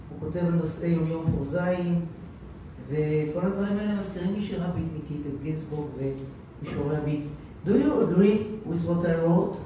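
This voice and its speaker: A woman with an Israeli accent, a native Hebrew speaker, reading a prepared review aloud as host of a literary evening. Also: lowish voice. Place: indoor literary event venue, reverberant room. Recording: echoey room, distant mic, faint noise.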